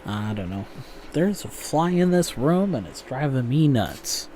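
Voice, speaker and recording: A young man talks over his own racing gameplay in a relaxed, unhurried way, drifting between thoughts with plenty of ums and uhs and the occasional swear. His voice sits at an ordinary middle pitch. A faint hum of room noise stays underneath. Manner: rambling with frequent fillers and profanity. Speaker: gaming channel host. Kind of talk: casual gameplay commentary.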